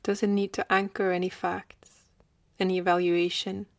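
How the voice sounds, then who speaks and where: A woman leading a guided meditation in a slow, gentle manner with long pauses. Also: on the low side, level tone, dry recording.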